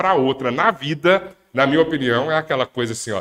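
A man with an ordinary speaking voice and a fairly high pitch talks at a fairly quick pace with lively intonation. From northern Minas Gerais, Brazil. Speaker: TV journalist. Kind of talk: casual chat.

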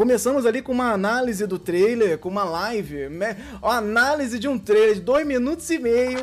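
With music in the background, a man talks at a moderate pace in an extremely high pitch with ordinary pitch variation. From Rio de Janeiro, Brazil. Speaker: podcast host and creator of the channel. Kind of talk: casual panel discussion.

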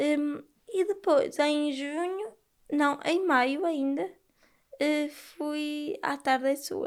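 Words come out very slowly, the pitch varying in an ordinary way. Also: woman. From Portugal, Viseu. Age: 20s. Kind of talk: interview.

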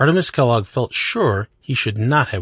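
Lively intonation in a natural reading voice.

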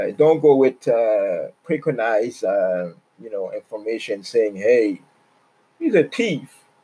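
A man with a Quebec accent, very slow pace, big swings in loudness. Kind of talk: casual monologue podcast. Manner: rambling, filler-heavy, upbeat.

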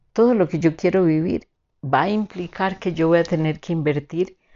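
This woman has an unremarkable speaking voice, fairly low in pitch, with ordinary pitch variation at a moderate pace. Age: 60s. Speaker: podcast host. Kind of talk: solo monologue.

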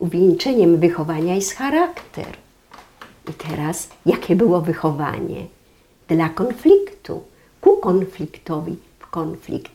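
Amid noticeable background noise, a woman speaks at a very slow pace with big swings in loudness. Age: 70s. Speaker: opera singer and voice teacher. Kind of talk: interview. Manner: animated.

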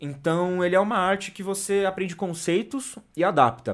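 This is a man talking. His pitch sits high. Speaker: self-defense instructor and fighter. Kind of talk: casual chat.

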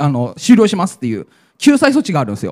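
An animated man's voice, high in pitch, with very wide pitch swings. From Japan, Aichi (Ichinomiya). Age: 30s. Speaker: podcast host. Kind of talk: casual chat. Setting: live recording in old sake brewery with audience.

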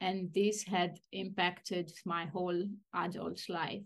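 A woman with a Romanian accent talks at a very slow pace in a flat, monotone intonation. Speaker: life coach. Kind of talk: interview.

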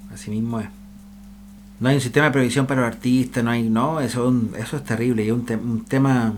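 A man with a Chilean accent speaks very fast at a medium pitch, his intonation fairly even, with audible echo from the room. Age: 30s. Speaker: podcast host. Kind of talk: casual chat.

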